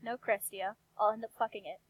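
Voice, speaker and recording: A woman reading the parts of rude, bickering dolls in a flat monotone, deadpan. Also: mid-range voice, fairly quick, no echo, close to an everyday voice, poor audio. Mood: flat, insulting. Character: foul-mouthed bickering dolls from a homemade Barbie movie.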